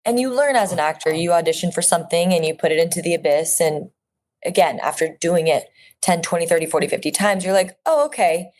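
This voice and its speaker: A woman's voice: on the low side, quick pace, a little mellow. A woman in her thirties from Orange County, speaking as an actress guest in a casual interview, earnest and reflective with frequent fillers and restarts. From Orange County, California.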